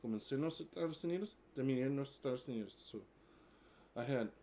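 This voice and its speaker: A man's voice: medium pitch, lively intonation, brisk, warm tone. Casual vlogger, man in his 40s, native English speaker, hesitant learner Portuguese mixed with English. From United States. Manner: hesitant, many fillers, switches between Portuguese and English. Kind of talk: casual bilingual talk to camera.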